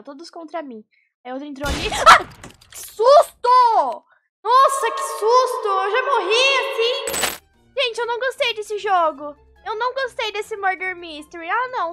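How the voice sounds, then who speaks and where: A young Brazilian woman gives excitable game commentary in a very high, bright voice over background music. She is dramatic and easily scared as a streamer, exclaiming and repeating short phrases as she plays. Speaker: gaming streamer.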